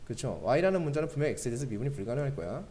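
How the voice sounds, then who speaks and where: Lively man teaching math. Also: mid-range voice, a little hiss or hum. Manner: keeps checking understanding with quick questions to students; joking asides between explanations. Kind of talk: classroom math lecture.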